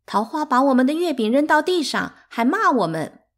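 A woman's voice: on the high side, huge pitch swings, a little fast, husky, voice pushed up, full character voice. A woman reading aloud, voicing an upset little girl who speaks tearfully and indignantly.

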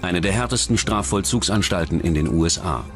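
A man narrates a true-crime documentary in a low-pitched voice. His delivery is scripted, and music plays clearly behind him. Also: fairly quick.

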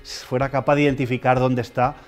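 A chef speaking in a measured, reflective way in an interview in a restaurant lounge. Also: male voice, medium pitch, little pitch movement, soft background music. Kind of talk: interview talk.

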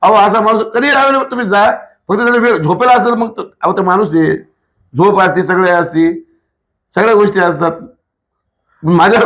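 A man's voice: high-pitched, a bit bright. A man, an activist answering in a casual interview in a blunt, emphatic way with rhetorical questions. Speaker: political activist, interview guest.

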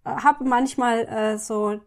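A woman's voice: a little high, slow. A woman hosting a podcast, interviewing in a casual, chatty and informal way. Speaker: podcast host.

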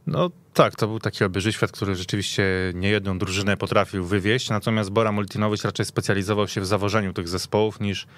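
Male sports podcast guest, low register, casual storytelling, close dry recording. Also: fairly even intonation, fast talker, hardly any pauses, fairly bright tone, no echo. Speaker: radio podcast guest commentator. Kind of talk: casual football discussion.

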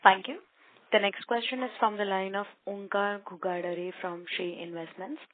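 A woman's voice: medium pitch, fairly even intonation, normal speed. A woman working as conference call operator, introducing callers in a scripted style. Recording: narrow telephone line.

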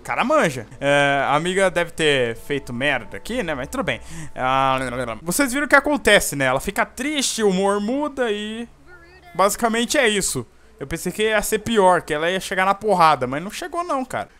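A man's voice: high-pitched, big pitch swings, normal speed, bright, forceful tone, soft background music. A young Brazilian man with a Brazilian Portuguese accent, giving casual, jokey gameplay commentary and talking to the game characters. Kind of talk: casual let's play commentary.

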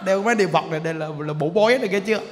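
A man, a Buddhist monk preaching and telling stories in an animated way. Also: high-pitched, rapid-fire, a little hiss or hum. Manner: animated storytelling, acts out people he quotes. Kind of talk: sermon. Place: temple hall. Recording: long hall reverb, faint ambience.

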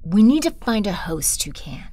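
A woman's voice: mid-range voice, sing-song, normal speed, mellow, no room sound, lightly acted. A woman voicing a commanding, scheming villain sorceress with theatrical menace in an audio drama. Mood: imperious.

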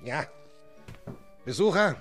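A man's voice: on the high side, big pitch swings, takes it slowly, a bit bright, exaggerated voice. An actor playing a cruel, menacing man who gloats curtly in a German radio drama. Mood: curt, evasive. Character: Mister Hyde, sinister cruel man gloating over violence. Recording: music behind the voice.

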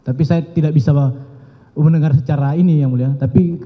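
A young man giving halting, deferential testimony in court, repeatedly addressing the judge. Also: on the high side, steady tone. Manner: halting, deferential, often says "Yang Mulia". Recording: muffled broadcast audio with long courtroom reverb.

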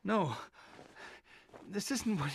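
A man playing a panicked suspect protesting his innocence in a video game cutscene, pleading and halting. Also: sits high, animated, gravelly, a little hiss or hum, heavily acted.

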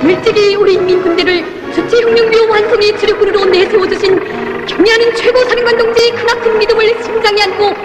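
North Korean female announcer, fervent propaganda oratory, extremely high voice, music behind. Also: fairly even intonation, fairly quick, few pauses. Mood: fervent, exalted. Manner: declamatory, solemn, fervent. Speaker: loudspeaker announcer.

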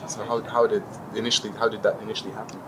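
Young man, from Lithuania, low voice, reflective host, clear street noise. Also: little pitch movement, rapid-fire. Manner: curious, reflective questioning. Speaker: podcast host. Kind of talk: conversational interview. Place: outdoor glass dome on a city square.

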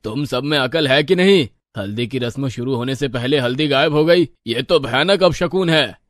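An actor playing a stern, irritable old Hindu priest in a cartoon story, scolding and pompous. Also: male voice, mid-range voice, moderate pace, no echo, clean studio sound, natural voice.

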